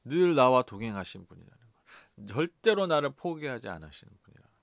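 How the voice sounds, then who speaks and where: A middle-aged man preaching a sermon as pastor, conversational and lively, asking his listeners rhetorical questions. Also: medium pitch, dry recording. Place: church.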